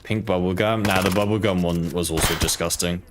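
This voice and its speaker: A young man from Poland who speaks with a British accent chats while streaming a game, rambling hesitantly with lots of fillers. His voice is deep, his intonation fairly even, and his pace a little fast. Heavy background noise runs underneath.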